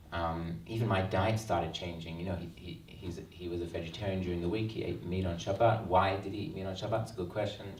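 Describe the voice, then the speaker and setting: An Australian man in his thirties, an author speaking earnestly at a book launch, with many ums and pauses. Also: low voice, a little mellow, a little hiss or hum. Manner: earnest, reflective, frequent ums. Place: event hall. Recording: roomy hall sound, mic at a distance.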